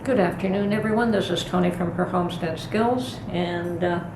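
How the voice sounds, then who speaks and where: A middle-aged woman hosting a homestead vlog, chatting calmly and thoughtfully from her home kitchen. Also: fairly low pitch. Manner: calm, unhurried, thoughtful with pauses. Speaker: homestead channel host. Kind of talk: casual kitchen vlog chat. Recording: echoey room with noticeable background noise.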